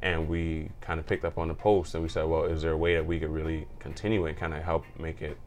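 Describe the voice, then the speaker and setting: A man from Jamaica, a community organizer, chatting as an interview guest in an upbeat way, full of shout-outs and laughs. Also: rumbling low, little pitch movement, fast. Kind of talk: casual interview chat.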